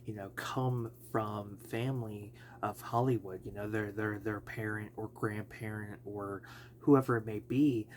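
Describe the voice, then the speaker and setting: Man, film reviewer, slightly raspy from allergies, slow unhurried delivery, rambling, faint hum behind. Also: on the low side, steady tone, a little mellow. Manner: rambling, many fillers and self-corrections.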